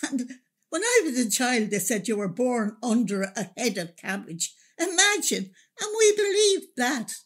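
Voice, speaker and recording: A woman's voice: on the high side, husky, heavily acted. A woman playing a wistful, resilient older Irish mother reminiscing expressively about hard years in a radio drama monologue. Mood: fond reminiscing. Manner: slow, reflective, expressive.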